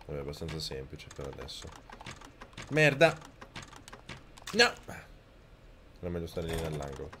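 A man streaming a video game live, talking close to his microphone, yelling and swearing at the game and thanking viewers. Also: a bass voice, steady tone, rapid-fire, few pauses, slight background noise. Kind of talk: live gameplay commentary. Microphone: microphone very close to the mouth.

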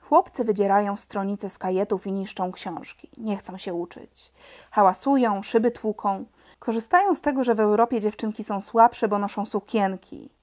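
A bold, outspoken young girl lays out her complaints in an indignant, lecturing tone, voiced by a woman reading a storybook. Her voice sits at an ordinary middle pitch and moves with a lively lift on her sharper points. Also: normal speed, lightly acted.

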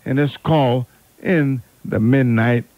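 A man hosting an R&B oldies radio show with unscripted, fumbling chatter, repeating and correcting himself as he goes. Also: mid-range voice. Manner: halting, fumbling, self-correcting, repeats words. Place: radio studio. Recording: narrow, phone-like AM radio aircheck.

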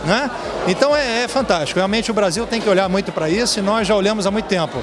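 A man's voice: high voice, quick pace. Upbeat man with a Rio accent. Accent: Rio de Janeiro Portuguese. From Brazil. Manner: upbeat promotional, frequent "né?" tags. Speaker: hotel general manager. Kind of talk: red-carpet interview. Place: indoor event hall, crowded party. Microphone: handheld mic held by interviewer. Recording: music and crowd behind.

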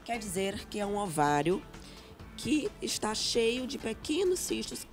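A young Brazilian woman doctor explains women's health on daytime TV in a clear, methodical way, listing terms one by one. She holds a handheld mic, with faint music underneath. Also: mid-range voice, sing-song, measured pace. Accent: Brazilian Portuguese. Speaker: gynecologist guest. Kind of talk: explaining medical facts on TV. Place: TV studio set.

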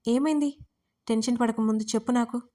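A woman voicing a worried female friend who calmly and firmly reassures her, in an audio story. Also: fairly high pitch, fairly quick, lightly acted. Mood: anxious. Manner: reassuring, insistent. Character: worried close woman friend, calm and firm.

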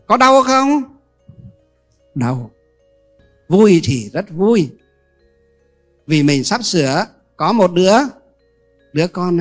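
A male Buddhist monk giving a dharma talk to an audience, posing rhetorical questions and pausing often with fillers. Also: high-pitched, fairly bright tone. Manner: rhetorical questions to listeners, many filler pauses.

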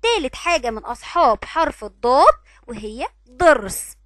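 Animated, sing-song Egyptian teacher. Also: female voice, high-pitched, no echo. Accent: Egyptian Arabic. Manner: sing-song, drawn-out syllables with frequent praise. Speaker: kindergarten teacher. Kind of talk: recorded online lesson for young children.

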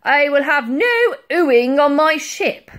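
A woman voicing a pompous, blustering old male ship's Admiral in a children's story, booming and spluttering. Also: huge pitch swings, unhurried, exaggerated voice. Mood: indignant bluster.

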